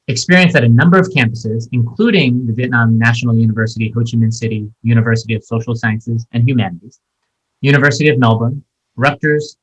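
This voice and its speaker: A man's voice: mid-range voice, fairly bright tone, dull audio. A man hosting a podcast interview, introducing a guest and asking questions in an enthusiastic, chatty way with fillers. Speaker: podcast host.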